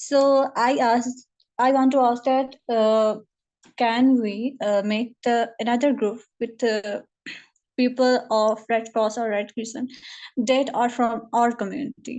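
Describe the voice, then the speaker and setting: Against a quiet background, a woman speaks at a very slow pace and high pitch with monotone, flat intonation. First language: not English. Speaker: program participant. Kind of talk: question in online session. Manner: halting.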